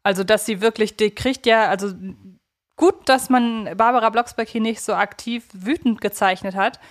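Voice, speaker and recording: A woman's voice: a little high, steady tone, normal speed. Woman co-hosting a chatty podcast. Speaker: podcast co-host. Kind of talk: casual analytical chat.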